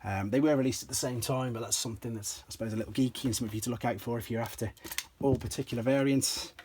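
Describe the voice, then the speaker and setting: A slightly hoarse man, an enthusiastic toy collector, casually explaining and demonstrating pieces from his collection step by step, with frequent ums. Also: mid-range voice, fairly even intonation, racing, darkish tone. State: slightly hoarse, clears throat.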